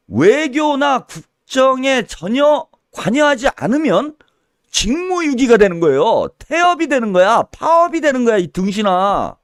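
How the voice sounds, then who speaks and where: A man's voice: high-pitched, no room sound, studio quality. A man giving a solo political commentary, heated and scolding, with mocking insults and little acted-out dialogues. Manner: acts out little mock dialogues.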